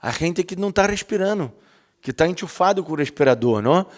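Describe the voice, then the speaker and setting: A man delivers a sermon, sliding freely into words. His voice sits a touch high. He keeps it conversational, ironic asides and constant questioning tags aimed at the listeners. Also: animated, a little fast. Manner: mixes Portuguese and Spanish, ironic asides, rhetorical "não?" tags. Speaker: preacher.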